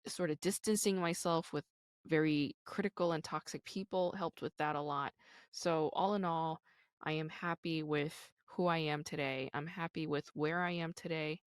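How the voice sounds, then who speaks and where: A woman's voice: sits low, fairly even intonation, moderate pace, smooth, no room sound, studio quality. A woman in her thirties hosting her own podcast, talking candidly and casually with lots of "like" and "you know". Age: 30s. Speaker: podcast host. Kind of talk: casual solo podcast talk.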